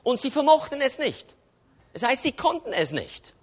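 A man's voice: very high-pitched, big pitch swings, normal speed. A man preaching a sermon in a conversational way, often checking in with the congregation. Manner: conversational preaching, tags with "oder?".

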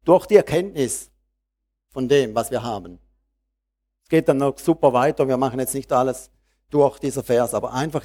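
A man preaching a sermon, reading Bible verses slowly and then speaking freely and directly to his congregation. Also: medium pitch, dark tone.

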